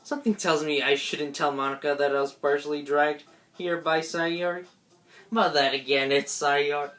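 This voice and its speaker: Woman, low pitch, visual novel narration, halting reading, game music in background. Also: steady tone, a bit bright. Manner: halting, stumbles over the text. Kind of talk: live dramatic reading of game text.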